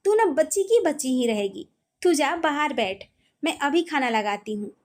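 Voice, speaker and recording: A doting middle-aged mother in a storybook, indulgent toward her grown daughter, voiced by a woman narrator. Her lines come high and expressive. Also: normal speed. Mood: fond. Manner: fond, indulgent.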